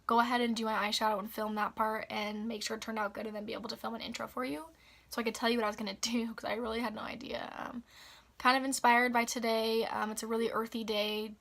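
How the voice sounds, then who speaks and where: A young woman with a raspy, slightly hoarse voice after the flu, chatting casually through a makeup tutorial. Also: a little high, flat delivery, fast talker, fairly bright tone. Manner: chatty, upbeat, filler-heavy. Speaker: beauty vlogger.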